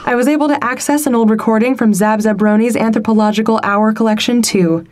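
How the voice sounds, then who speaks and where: A woman's voice: fairly high pitch, steady tone, fast, background noise, natural voice. A woman voicing a brassy female sex-advice radio host on a space station, speaking in polished, sassy on-air patter in a comedy audio drama.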